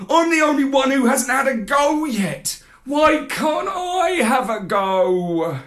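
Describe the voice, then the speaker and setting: A man's voice: high voice, slow pace, voice pushed up, full character voice. A man playing an eager yappy puppy. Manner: pleading, excited. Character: eager excitable male puppy.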